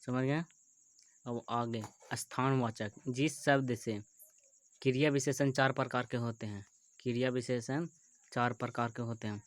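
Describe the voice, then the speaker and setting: A man's voice: medium pitch, no echo. A man teaching a grammar lesson, working through definitions and examples, often repeating terms as he thinks aloud. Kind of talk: Hindi grammar lesson over screen recording.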